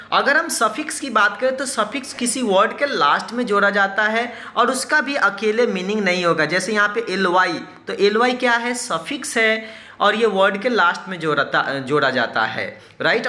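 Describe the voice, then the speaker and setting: A man's voice: sits high, bright, forceful tone, echoey room. A man teaching an English grammar lesson. He mixes English terms into his Hindi, poses questions to himself and then answers them.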